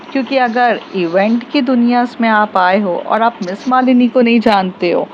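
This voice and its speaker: A woman's voice: fairly high pitch, a little mellow, lo-fi sound, slight background noise. A woman retelling a romance story in a casual, chatty way, with many fillers and restarts. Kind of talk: casual spoken storytelling podcast.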